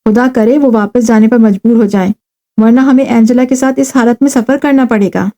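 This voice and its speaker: A woman's voice: fairly high pitch, fairly even intonation, warm tone, close to an everyday voice. A woman reading a fretful doting mother. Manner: pleading, fretful. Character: middle-aged mother, anxious, doting, pleading.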